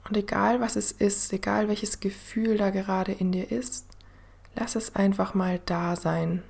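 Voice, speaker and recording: A woman host guiding a meditation in the soothing manner of a sleep story narrator, gentle and unhurried, with a soft, breathy voice that often drops to a near-whisper. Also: mid-range voice, fairly even intonation. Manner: gentle, unhurried, with long pauses. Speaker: podcast host and meditation guide.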